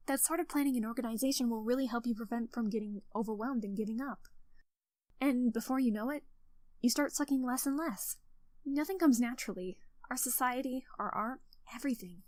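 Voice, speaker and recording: A woman voicing an encouraging teenage girl club president from a visual novel game, speaking in an earnest, conversational, gently instructive way. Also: a little high, natural voice. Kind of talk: scripted character monologue of writing advice.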